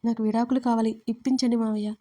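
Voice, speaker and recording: A woman's voice: on the high side, flat delivery, fast talker, warm tone, lightly acted. Tearful young wife, read by a woman. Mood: pleading. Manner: pleading through tears.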